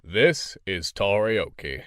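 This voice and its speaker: A man voicing a solemn older narrator in a measured mock-documentary style. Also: on the low side, big pitch swings, noisy background.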